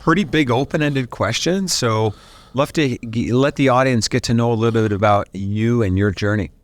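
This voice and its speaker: A man's voice: mid-range voice, moderate pace, no echo. Upbeat man hosting, dry sound. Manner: upbeat, enthusiastic. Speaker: podcast host. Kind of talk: chatty interview hosting. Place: studio.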